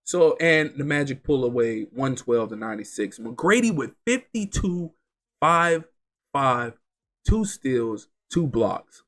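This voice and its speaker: A gaming channel host with a mid-range voice speaks slowly, sounding congested as he gets over an illness. He casually commentates a basketball video game simulation, chatty and excitable as he reels off player stats.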